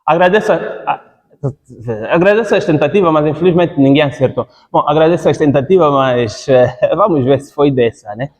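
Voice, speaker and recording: A man's voice: fairly high pitch, fairly quick, darkish tone. Man coaching in a reverberant hall. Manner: repeats points for emphasis, checks in with "ok?". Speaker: public speaking coach giving feedback. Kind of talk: spoken critique in a class.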